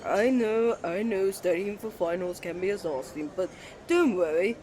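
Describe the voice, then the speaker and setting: A man's voice: high-pitched, normal speed, darkish tone, close to an everyday voice. A man voicing a kind, earnest young twin brother who gets nervous and stammers easily in a romantic roleplay. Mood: tender, reassuring. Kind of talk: ASMR romantic roleplay acting.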